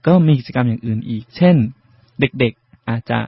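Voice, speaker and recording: A man's voice: mid-range voice, no room sound, dull audio. Man recapping vocabulary on radio. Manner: recaps each word for listeners, polite and measured. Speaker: radio host teaching English vocabulary. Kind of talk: radio English lesson.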